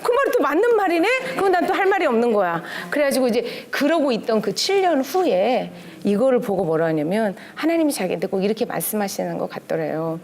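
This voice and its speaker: A middle-aged woman teaching relationship skills in a lively seminar talk, animated and often laughing as she mimics quotes. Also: fairly high pitch, quick pace, hardly any pauses.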